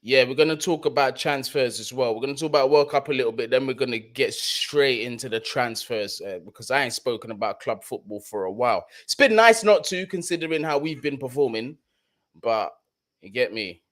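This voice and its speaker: A young man with a London accent hosts a live football stream and talks to his viewers in easy, slang-filled chat. He repeats his points for emphasis, and his voice sits at an ordinary middle pitch for a man. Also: expressive, fairly quick, a bit bright. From London, England. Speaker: football channel host.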